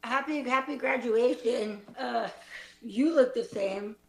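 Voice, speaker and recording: A woman's voice: high voice, normal speed, fairly bright tone. A woman playing a flustered, defensive former student in an improvised comedy scene. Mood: awkward. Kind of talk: improvised comedy stage acting. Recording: roomy, echoey live space.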